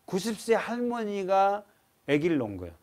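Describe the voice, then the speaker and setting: This pastor's voice is high and sing-song, with a darkish tone and a normal speaking speed. Preaching an expository sermon in church, he keeps questioning the congregation, supplies his own answers, and has them read scripture aloud.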